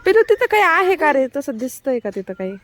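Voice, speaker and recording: A woman's voice: sits high, very animated, a little fast. Chatty woman vlogging outdoors on a phone. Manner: chatty, exclaiming, teasingly scolding her son. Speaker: vlogger and mother. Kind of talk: casual outdoor vlog chat. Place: outdoors on a house rooftop in the rain. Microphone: phone held in her hand.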